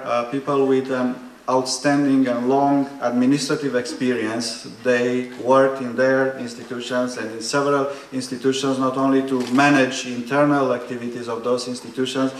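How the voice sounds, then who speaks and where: Man from Romania, panel moderator, measured and hesitant delivery, mid pitch, echoey conference hall. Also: slight background noise. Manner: measured, hesitant with frequent fillers, dry humor. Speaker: higher education policy researcher. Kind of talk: academic panel introduction.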